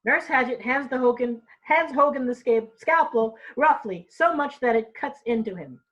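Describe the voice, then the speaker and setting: A woman narrates stage directions through slightly dull, lo-fi audio. Her voice is fairly high, and her informal scripted reading has small stumbles and repeats. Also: lively intonation, moderate pace.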